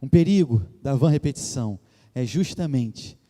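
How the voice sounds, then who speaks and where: A man's voice: medium pitch, lively intonation, moderate pace, mellow. A man from Rio de Janeiro preaching a sermon as pastor, earnest and reverent, often calling the congregation "dear ones". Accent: Brazilian Portuguese, Rio de Janeiro. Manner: addresses the congregation as "queridos" often. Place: church sanctuary. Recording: long church reverb.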